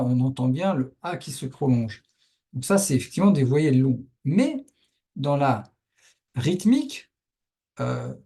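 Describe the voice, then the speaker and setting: Man teaching in a husky voice. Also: mid-range voice, warm tone. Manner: patient, step-by-step, frequent "hein" and "voilà". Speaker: Arabic teacher. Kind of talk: explanatory lesson narration over on-screen writing.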